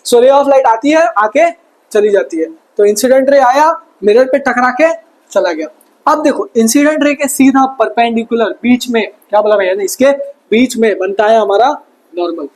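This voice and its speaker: A man's voice: very high voice, moderate pace, a little mellow, rough recording. Indian guy teaching a revision class, jokey, keeps quizzing the students and calls himself bhaiya. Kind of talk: exam revision lesson.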